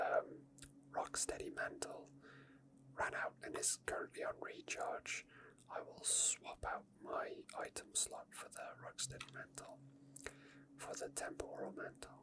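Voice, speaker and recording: A person whispering soft, breathy ASMR commentary over video gameplay, explaining each step as it is done. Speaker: video game streamer.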